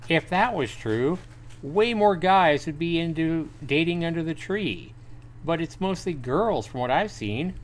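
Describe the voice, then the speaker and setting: A man voicing a cocky, crude teenage high school boy from a visual novel, teasing his friend, with noise behind him. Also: lively intonation, a little slow. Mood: cocky, insistent. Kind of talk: acted visual novel dialogue.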